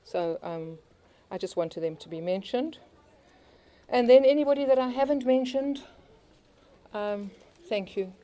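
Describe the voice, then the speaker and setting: A woman's voice: fairly high pitch, unhurried, mellow. A woman thanking helpers and staff at an opening event, talking loosely and repeating okay. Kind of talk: outdoor opening speech.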